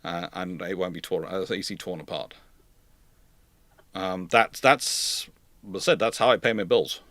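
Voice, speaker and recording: Bright-voiced man explaining, dry close sound. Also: low voice, steady tone, normal speed, no room sound. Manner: hesitant repetitions, emphatic restating. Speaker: host of a naval history livestream, consultant. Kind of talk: live question-and-answer talk, explaining.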